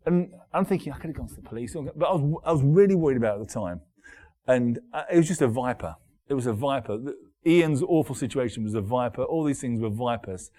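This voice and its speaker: A middle-aged man from Derby, preaching a sermon as pastor in a conversational, halting way, often restarting and repeating words. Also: medium pitch, lively intonation, warm tone. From Derby, England.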